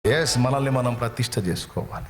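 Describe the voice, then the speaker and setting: A man's voice: mid-range voice, brisk. A male pastor delivering a dramatic sermon, telling a story and putting questions to the audience. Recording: music playing behind.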